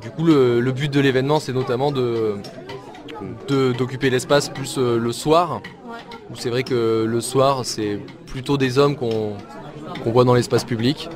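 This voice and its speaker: A man with a mid-range voice speaks thoughtfully, pausing and restarting now and then. He is recorded outdoors at a street market, with a crowd murmuring around him. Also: mid-range voice, steady tone, over music. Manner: thoughtful, slightly halting. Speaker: community association worker. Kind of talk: street interview.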